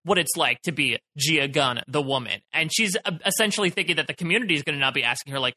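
A man's voice: a little high, fast, pushed and bright. A man co-hosting a podcast, chatting casually in long, run-on thoughts about a TV episode. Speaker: podcast co-host. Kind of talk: casual podcast recap chat.

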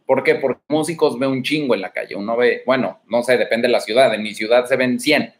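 A man's voice: medium pitch, brisk. A man with a Mexican accent hosting a livestream, giving dating advice in a blunt, crude, swaggering way, full of slang and rhetorical questions, talking from a room at home. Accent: Mexican Spanish. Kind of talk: casual livestream advice talk. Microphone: streaming from home.

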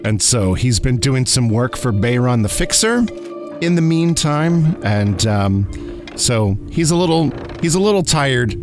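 A man's voice: medium pitch, animated, measured pace. A man casually recapping his tabletop character, hesitating and repeating phrases as he thinks. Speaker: podcast producer and player. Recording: music behind the voice.

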